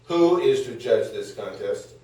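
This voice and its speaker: A man's voice: lowish voice, lively intonation, slow, warm tone. A man playing an aging, smugly amused ancient Greek philosopher husband in a comedic table read, wordy, hesitant and theatrical. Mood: wryly agreeable. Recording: very echoey room, distant microphone.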